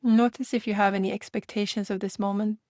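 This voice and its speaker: A woman leading a guided meditation in a gentle manner, speaking in unhurried invitations with long pauses. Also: medium pitch, little pitch movement, no room sound, clean studio sound.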